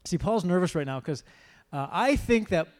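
Pastor, male, higher voice, teasing and rambling intro of a guest. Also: animated, moderate pace. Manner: teasing, warm-hearted, rambling. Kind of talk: church introduction.

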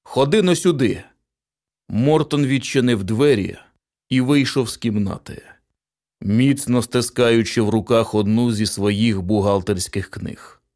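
A man narrating a short story in an even, steady reading voice. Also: on the low side, a little slow. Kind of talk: audiobook reading.

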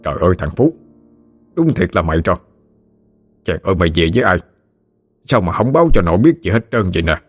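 A man's voice: sits low, big pitch swings, quick pace, long pauses, husky, soft background music, heavily acted. A man voicing an affectionate elderly grandfather's ghost in an audio ghost story. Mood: doting. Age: older.

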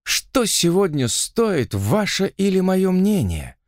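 A man's voice: sits high, big pitch swings, slow pace, no room sound, clean studio sound, voice pushed up, exaggerated voice. A man voicing a young plantation owner's daughter, speaking in a theatrical, pleading and melodramatic way. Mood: lamenting.

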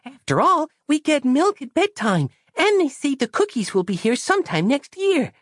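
A man reading an audiobook and voicing a small, naive girl who speaks in a high, piping, sing-song way. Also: wildly swooping pitch, moderate pace, a bit bright, no room sound, clean studio sound, exaggerated voice. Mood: naive, earnest. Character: small wise-sounding girl, naive and cheerful.

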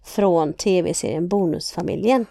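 A woman's voice: on the low side, gravelly, mellow, dry recording, clean studio sound. A woman from Sweden co-hosting a podcast, chatting and teasing her co-host as she sets up a guessing game.

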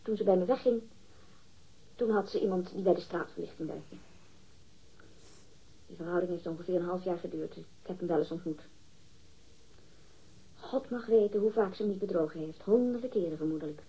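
A woman's voice: on the low side, brisk, pauses often, dark tone, breathy edge. An actress in a radio drama playing a catty, defensive woman witness, disdainful and emphatic as she gossips. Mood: curt, defensive. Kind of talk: acted radio drama dialogue. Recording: dull, muffled lo-fi radio recording.

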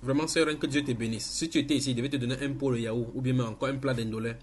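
Male preacher, emphatic and halting, light background noise. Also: medium pitch, fairly even intonation. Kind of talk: church teaching.

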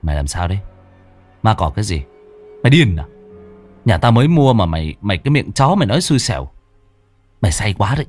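A man voicing a blunt, gruff man who scolds his frightened friend. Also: fairly low pitch, sing-song, brisk, pauses often, darkish tone, dry recording, soft background music. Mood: scolding. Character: gruff irritated older-brother type man.

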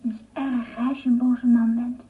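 A woman's voice: a little high, level tone, normal speed, natural voice. A woman playing a naive, curious small child in a radio drama, eagerly asking questions, both thrilled and scared. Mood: scared, fascinated. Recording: distant, phone-like archive radio recording.

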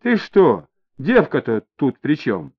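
A man's voice: medium pitch, wildly swooping pitch, slow, breathy edge, exaggerated voice. A man voicing a hostile young male thug under police interrogation, who talks rudely in street slang, on a dull lo-fi recording. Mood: sullen, cornered. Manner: rude, snarling street slang. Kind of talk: audiobook character voice. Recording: dull lo-fi audio.

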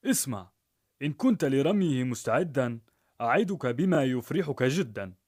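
A man voicing an earnest old male friend who gently scolds, in a told story. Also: medium pitch, lively intonation, normal speed, lightly acted. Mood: reproachful. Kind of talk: storybook narration.

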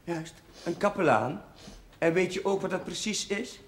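A man's voice: high-pitched, normal speed, natural voice. A man playing a young Catholic chaplain, questioning a class like a schoolmaster in a scripted television drama. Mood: patient, instructive. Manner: schoolmasterly, questioning, calling for silence. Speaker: actor in a TV drama series. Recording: noisy old TV soundtrack.

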